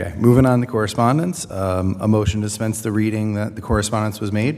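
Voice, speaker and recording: Talking at a very fast pace with an American accent, a man with a fairly low pitch and ordinary pitch variation is heard over noticeable background noise. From New Jersey. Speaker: board chair. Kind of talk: public meeting.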